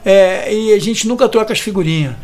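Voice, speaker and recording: A man's voice: high voice, a little fast, a little mellow. A man, giving an indignant interview testimony and often ending sentences with a question tag. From Brazil. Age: 50s. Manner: hesitant restarts. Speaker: community resident interviewed about evictions.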